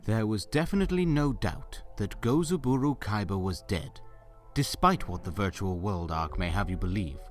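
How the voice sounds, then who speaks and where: A man's voice: fairly low pitch, normal speed, faint music behind, lightly acted. A man playing a genial fireside storyteller, narrating an audio drama in a wry, theatrical way.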